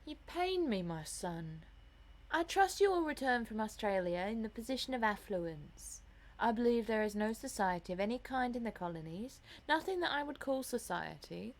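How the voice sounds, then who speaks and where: A woman's voice: fairly high pitch, sing-song, normal speed, rough recording. A woman voicing a faded theatrical mother in an audiobook, self-pitying, snobbish and fretful, with an affected manner. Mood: pained, haughty. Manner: affected, melodramatic. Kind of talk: audiobook character voice.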